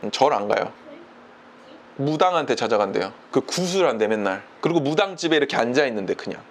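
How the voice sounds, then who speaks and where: A man preaching a sermon in church, animated, acting out the people he talks about and asking the congregation questions. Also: mid-range voice, fast talker, a little hiss or hum. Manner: animated, acts out the people he describes.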